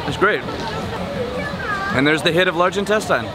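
An upbeat man in his thirties talks to a handheld camera as he tastes snacks in a busy outdoor night market. His voice sits a bit high for a man, and loud music and a thick crowd fill the background. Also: normal speed. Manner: upbeat, enthusiastic narrating while tasting food. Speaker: travel and food vlogger. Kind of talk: casual travel vlog chat.

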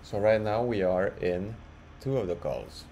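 Slow, low-voiced man giving a tutorial. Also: lively intonation, warm tone. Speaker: software tutorial presenter. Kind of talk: casual screen-share walkthrough. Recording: clearly audible background noise.

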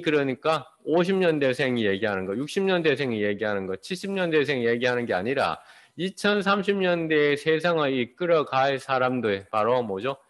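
Man lecturing on a video call. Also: a little high. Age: 50s. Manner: explanatory, asks rhetorical questions and answers them. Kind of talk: online lecture. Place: small room, indoors. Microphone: webcam on a video call.

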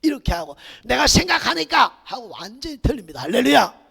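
Impassioned pastor. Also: male voice, very high-pitched, sing-song, a little fast, creaky, husky. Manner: swings between loud shouted exhortation and hushed near-whispers, repeated hallelujahs. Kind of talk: Sunday sermon. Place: church sanctuary. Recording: reverberant church hall.

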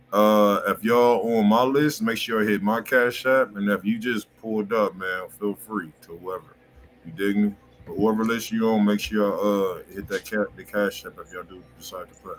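A man's voice: on the low side, fairly bright tone, a little hiss or hum, low-quality recording. A man hosting a music review livestream in casual, slangy talk, swearing freely and repeating himself.

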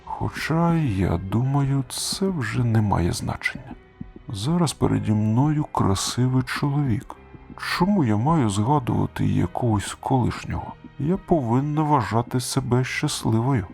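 Male reader putting on a higher, gravelly, seductive lady singer, teasing and cooing, for a spooky storybook. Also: lively intonation, measured pace, a little mellow, soft background music. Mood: flirty coaxing.

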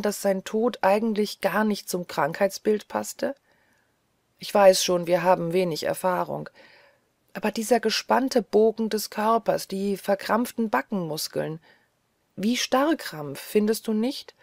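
A woman voicing a gentle, troubled male hospital doctor who reasons in a quiet, brooding way. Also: medium pitch, a little slow, vocal fry, no room sound.

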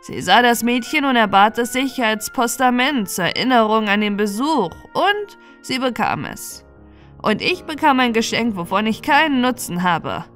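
A woman voicing a boastful, chatty old bog witch who explains her wares in an animated, matter-of-fact way for a fairy tale. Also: a little high, normal speed, soft background music. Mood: confiding.

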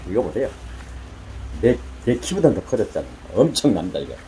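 A folksy, chatty middle-aged male host gives a casual how-to talk on gardening and cooking, first in a vegetable field and then in his home kitchen. He chuckles often and constantly repeats "like this." His warm, fairly low voice is sing-song and a little fast, with slight hiss or hum.

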